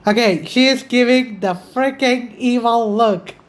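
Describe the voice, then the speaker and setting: A woman's voice: a little high, measured pace. A woman gamer giving casual, blunt reaction commentary while playing a video game. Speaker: gaming streamer reacting to play. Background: faint game music.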